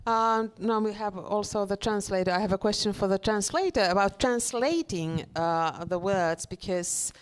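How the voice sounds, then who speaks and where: A woman's voice: medium pitch, normal speed, hardly any pauses, clear, resonant tone. A woman moderating a literary panel, asking questions with frequent restarts. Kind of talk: panel discussion.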